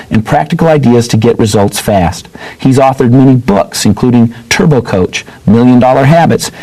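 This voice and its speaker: A man's voice: mid-range voice, darkish tone, low-quality recording. A man hosting an interview show, reading a scripted opening and then chatting with his guest. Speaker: host.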